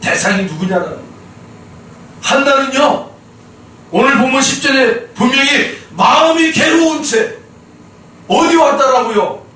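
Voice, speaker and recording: A male pastor preaching a sermon in an animated storytelling way, often addressing the congregation. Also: very high voice, measured pace, long pauses. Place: church sanctuary. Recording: very echoey church hall, mic far off.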